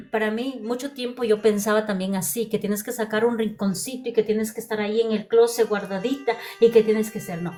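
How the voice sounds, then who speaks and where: A woman's voice: mid-range voice, steady tone, normal speed, a little mellow. Heartfelt woman giving a sermon testimony. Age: adult. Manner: heartfelt, repeats phrases. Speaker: preacher.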